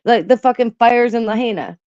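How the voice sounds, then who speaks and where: A woman's voice: fairly high pitch, brisk, a little mellow, no room sound. A woman hosting a reaction chat who stutters, repeats words and swears freely. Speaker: host reacting to an interview. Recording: dull lo-fi dry sound.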